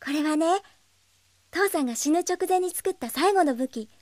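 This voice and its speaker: A woman playing a feisty young girl who runs her late father's shop, in an animated radio drama style. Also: high-pitched, moderate pace, no echo, clean studio sound. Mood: wistful, determined. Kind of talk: Japanese anime-style audio drama acting.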